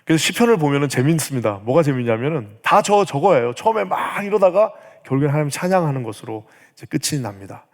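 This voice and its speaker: A male pastor preaching a sermon, animated, acting out prayers in his own voice. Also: fairly high pitch, fast. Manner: animated, acts out prayers in quoted voice. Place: church sanctuary. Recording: church hall reverb.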